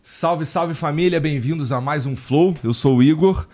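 A man's voice: fairly high pitch, normal speed, a little mellow. A Brazilian man hosting a podcast, talking casually in an informal, slangy way. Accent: Brazilian Portuguese. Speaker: podcast host. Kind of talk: casual chat.

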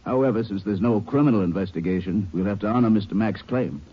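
Vintage muffled radio drama: male actor as quick-talking, courteous insurance company man, businesslike. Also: fairly low pitch, close to an everyday voice. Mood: brisk, polite. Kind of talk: 1950s radio drama acting. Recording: muffled, hissy old radio recording.

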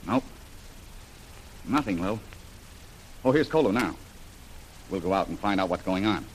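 A commanding jungle adventurer. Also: male voice, sits low, lively intonation, measured pace, slight background noise, rough recording. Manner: commanding, takes charge. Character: bold, confident male jungle adventurer.

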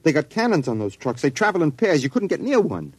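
Nervous small-time crook, stammering, mellow voice, dry sound, old radio drama. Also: male voice, on the high side, big pitch swings, fast talker, slightly rough, no room sound. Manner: stammering, jittery. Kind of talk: 1940s radio acting.

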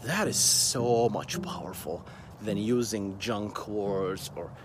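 A man in his thirties, a software engineer talking casually to camera, halting and repeating words with plenty of fillers. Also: lowish voice, music in the background. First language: Arabic.

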